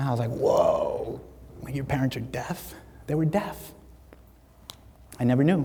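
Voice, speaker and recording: Amid noticeable background noise and audible room echo, a man talks in an animated tone at a moderate pace, with long, frequent pauses. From New Jersey, US. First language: Spanish. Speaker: inspirational speaker. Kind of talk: keynote speech.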